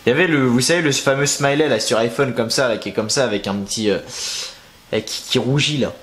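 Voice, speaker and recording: A man's voice: mid-range voice, fast, fairly bright tone. A young man chatting casually to camera, rambling and slangy, thinking aloud as he searches for things. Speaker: wrestling news youtuber.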